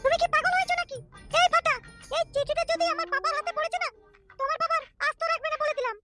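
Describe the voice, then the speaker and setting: A woman voicing a squeaky young girlfriend in a comic cartoon, sweet but anxious and given to scolding. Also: steady tone, rapid-fire, over loud music. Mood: alarmed, scolding.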